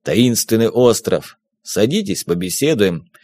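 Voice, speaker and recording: A man's voice: lowish voice, big pitch swings, unhurried, a little mellow, no echo. A man voicing a jovial smuggler captain. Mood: cheerful. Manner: teasing, confident. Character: jovial middle-aged male German smuggler captain.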